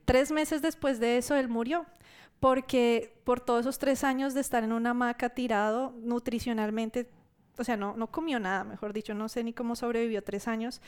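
A woman preacher tells a testimony to her church, her voice smooth and resonant and set a little high. She tells the story in a lively way and acts out what people said. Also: moderate pace.

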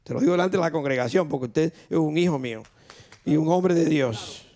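A male pastor leads a church service, firing questions at his congregation and repeating them to press for answers. His voice sits fairly high and moves at a brisk pace. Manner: quick, lively, asks and repeats questions.

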